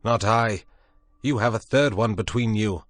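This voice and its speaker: Man doing a cornered, defiant castaway, raised and loud over a low, dry base. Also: animated, a little slow, no room sound. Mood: scornful. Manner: loud, pleading and shouting.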